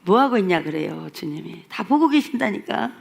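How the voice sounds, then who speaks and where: Gravelly Jeolla-accented woman preacher. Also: on the low side, animated, moderate pace. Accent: Jeolla Korean. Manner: emphatic, repetitive, scolding. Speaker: pastor. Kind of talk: revival sermon.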